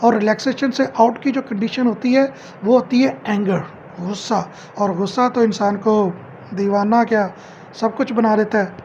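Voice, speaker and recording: A man with a fairly high voice gives a chatty lesson to his viewers. He often calls them "bhai" and slows right down to say English phrases. The home recording sounds slightly dull, with a faint hiss underneath. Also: steady tone, darkish tone. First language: Urdu. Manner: chatty, keeps calling viewers "bhai", says English phrases slowly and deliberately. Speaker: English-speaking tutor. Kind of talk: casual spoken lesson to viewers.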